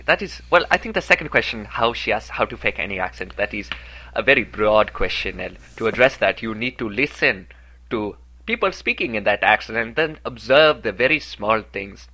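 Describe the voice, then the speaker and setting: A man's voice: on the low side, expressive, moderate pace, sharp tone. A man co-hosting a comedic podcast, speaking with formal, earnest phrasing. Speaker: podcast co-host.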